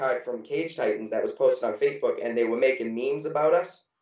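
Fairly quick male speech in a space with audible room echo. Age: 20s. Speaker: amateur MMA fighter. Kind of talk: casual interview. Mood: confident, trash-talking. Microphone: video call.

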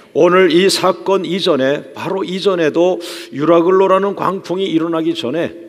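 All is quiet in the background. A man talks there at a fairly slow pace. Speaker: pastor. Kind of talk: sermon. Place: church. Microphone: podium.

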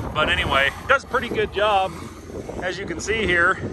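The speech moves at a fairly quick pace. The sound is dry with no echo, under loud background noise. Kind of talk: casual vlog chat. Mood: relaxed, upbeat. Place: open country. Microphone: phone near.

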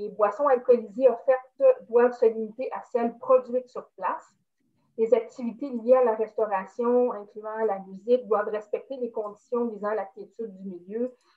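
The pace of this woman's speech is moderate. Her intonation is fairly even. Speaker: municipal council member. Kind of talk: formal reading of a resolution. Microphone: video call.

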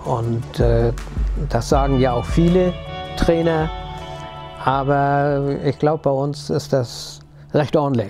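Over clear background music, a man speaks at a very slow pace, with long, frequent pauses. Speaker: amateur football goalkeeper coach. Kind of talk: interview answer. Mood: warm, reminiscing. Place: home room. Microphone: handheld.

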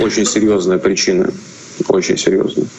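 A man's fairly low-pitched voice with light background noise. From Odesa, Ukraine; raised in Kazakhstan and Russia. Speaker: immigration lawyer. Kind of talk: interview. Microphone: video call.

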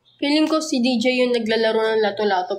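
A woman at a fairly quick pace with ordinary pitch variation, over light background noise. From Philippines. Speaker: idol livestreamer. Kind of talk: casual livestream chat. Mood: playful, teasing. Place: home room. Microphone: phone near.

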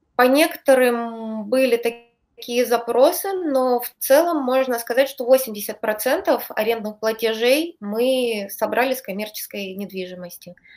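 A woman's high voice at a fairly slow pace, with ordinary pitch variation and big swings in loudness. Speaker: real estate agent. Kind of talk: expert interview in webinar. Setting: video call. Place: home room.

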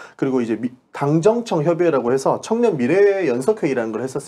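Very wide pitch swings mark this man's dark, mellow tone. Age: 20s. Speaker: parliamentary candidate, former student activist; candidate. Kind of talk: interview. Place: studio. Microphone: lapel.

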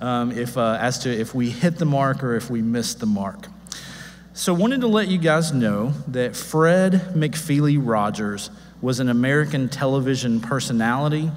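Keeping to a moderate pace, a man delivers his words with lively intonation. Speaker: presenter. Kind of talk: conference presentation. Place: stage. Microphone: podium.

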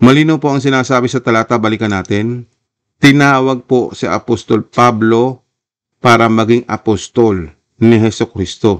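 A man's normal speaking voice at medium pitch, with ordinary pitch variation, a moderate pace, and a dry, close sound with no echo against a quiet background. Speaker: Bible teacher on a YouTube channel. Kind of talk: Bible study answering viewer questions. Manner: polite, formal.

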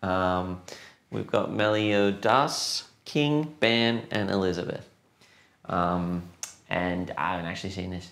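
The speech moves at a very slow pace. It comes with an Australian accent. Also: man, very deep, low pitch for a man, ordinary pitch variation. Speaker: retail livestream host presenting collectibles. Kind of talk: casual live-stream product showcase. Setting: studio live stream. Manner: animated. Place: shop. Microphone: lapel.

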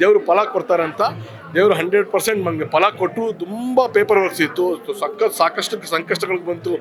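Music plays in the background. A man speaks at a high pitch with fairly even intonation. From Bengaluru, India. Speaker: businessman and temple trustee. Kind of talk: interview.

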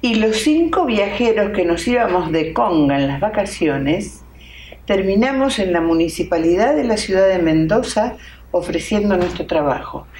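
A woman at medium pitch talks fairly slowly with very wide pitch swings and very even loudness. Audible room echo can be heard. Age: 70s. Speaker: author and family counselor. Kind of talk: TV interview talk.

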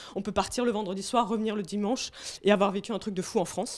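A woman's fairly quick speech in monotone, flat intonation against a quiet background. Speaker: newsletter founder. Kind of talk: onstage interview. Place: hall. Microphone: handheld.

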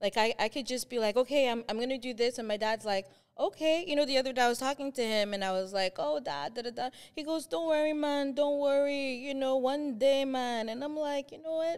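High-pitched woman at a fairly quick pace, ordinary pitch variation, quiet background. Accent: slight Long Island. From Long Island, New York; New York. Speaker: author and blogger; podcast guest. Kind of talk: casual interview chat. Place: studio. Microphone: studio mic.

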